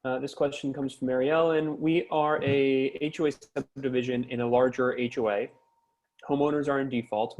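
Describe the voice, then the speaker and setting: A man's voice: mid-range voice, darkish tone, low-quality recording. A man moderating a webinar, reading audience questions aloud in a plain manner with small hesitations.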